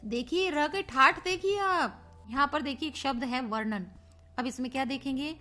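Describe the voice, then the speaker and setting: A woman's voice: sits high, normal speed, sharp tone, soft background music. A woman teaching a recorded Hindi grammar lesson, playful and speaking to pupils as children, spelling words out letter by letter.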